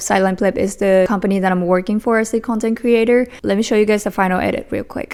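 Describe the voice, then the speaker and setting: A woman with a Japanese accent, medium pitch and fairly even intonation. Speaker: content creator and dancer. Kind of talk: tutorial.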